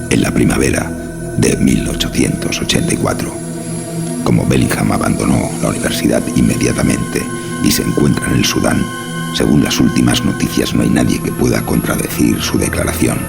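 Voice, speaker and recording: A man narrating a horror story from a script in a solemn, deliberate, dramatic way. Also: extremely low pitch, creaky.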